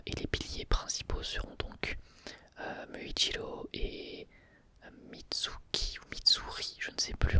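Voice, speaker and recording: Man whispering an ASMR anime review. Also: bright, forceful tone. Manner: fully whispered, hesitant with frequent fillers. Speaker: anime reviewer hosting his channel.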